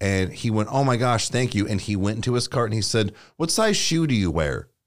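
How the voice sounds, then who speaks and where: A man with an ordinary speaking voice talks at a moderate pace, medium in pitch with lively intonation, on a very clean recording with a silent background. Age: 30s. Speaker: podcast co-host. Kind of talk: casual chat. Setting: studio.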